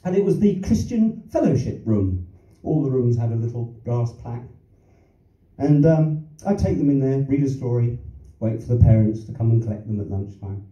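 An older man, raised in London, works through a stand-up set with a wandering, self-mocking delivery and an animated, swooping pitch. His voice is dark and mellow. It is caught from out in the audience, so it sounds distant, roomy and a little dull. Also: normal speed. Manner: rambling anecdotes with self-deprecating asides and chuckles. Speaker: stand-up comedian. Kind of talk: stand-up routine. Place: small theatre stage. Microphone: handheld mic, filmed from the audience.

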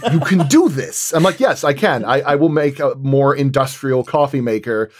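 A man talking casually as a sound designer on a roundtable, explaining things through animated anecdotes and acting out quoted remarks. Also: mid-range voice, normal speed. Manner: animated storytelling, acts out quoted dialogue.

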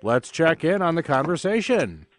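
A man's voice: fairly high pitch, sing-song, moderate pace, soft background music. A man announcing, giving a scripted introduction to a comedy sketch.

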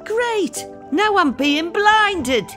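A woman's voice: very high voice, lively intonation, extremely slow, sharp tone, faint music behind, heavily acted. A woman voicing a bossy, no-nonsense rowing crew leader in a comedy cartoon. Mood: irritated.

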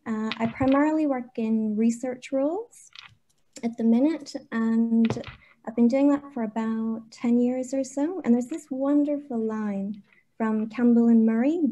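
A woman in her thirties from Ireland with an Irish accent, presenting her research on a video call in a measured way with frequent fillers. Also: a little high, mellow, muffled recording, a little hiss or hum. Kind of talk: webinar presentation. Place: home or office on a video call.

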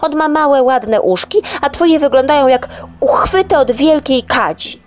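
A woman's voice: high voice, expressive, measured pace, pitched above the performer's own voice. A woman doing a haughty little Snork girl. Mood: scornful. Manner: indignant, scornful. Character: young female Snork maiden, haughty and scornful.

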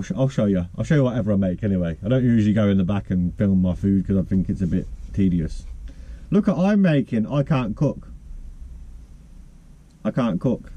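A man's voice: on the low side, dark tone, muffled recording. Chatty man rambling in his van. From United Kingdom. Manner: chatty, rambling, self-mocking. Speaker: van life vlogger. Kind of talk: casual vlog chat. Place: inside a parked van.

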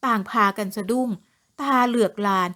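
A woman narrating an audio novel in a steady, even reading voice. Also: fairly high pitch, moderate pace. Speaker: storyteller.

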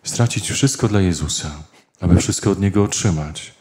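A man preaching a sermon as a priest, earnest and speaking in short phrases with pauses. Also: sits low, darkish tone.

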